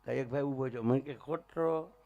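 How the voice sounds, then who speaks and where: A man's voice: medium pitch, normal speed, creaky, lo-fi sound. A man telling comic stories at a live folk show, acting out each character. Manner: animated, acts out every character in the story. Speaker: folk comedian storyteller. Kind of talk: live folk comedy storytelling.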